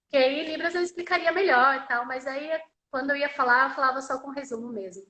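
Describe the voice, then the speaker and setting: A woman's voice: high voice, fast talker, bright, forceful tone, a little hiss or hum. Woman voicing for a deaf signer, chatty, lots of tag questions, echoey room. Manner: conversational, with frequent tag questions and repeated phrases. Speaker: interpreter voicing a deaf signer in first person. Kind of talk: live spoken interpretation of a personal story.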